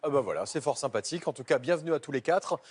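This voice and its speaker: A man's voice: medium pitch, expressive, rapid-fire, darkish tone, husky. A man hosting a TV quiz, presenting rules and scores to the players in a studio. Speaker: game show host. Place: TV game show studio. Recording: studio audience and music behind voice.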